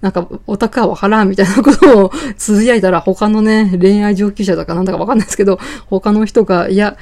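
A woman around forty hosting her solo podcast in casual chat, chatty and full of filler pauses. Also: medium pitch, fairly even intonation, dark tone. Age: 40s. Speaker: podcast host.

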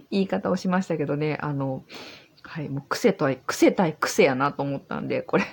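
A tipsy woman with a Kansai accent rambles cheerfully through her solo podcast. Her voice has a gravelly edge, and her pitch swoops up and down as she talks. She speaks casually from a room in an old house. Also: big pitch swings, moderate pace. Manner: chatty, rambling, easygoing. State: tipsy from drinking. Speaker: podcast host.

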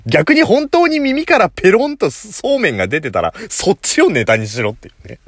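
A man's voice: sits high, huge pitch swings, brisk, no echo, studio quality. A man casually telling a funny story on his solo talk show, laughing at his own jokes. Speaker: podcast host. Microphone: phone app recording.

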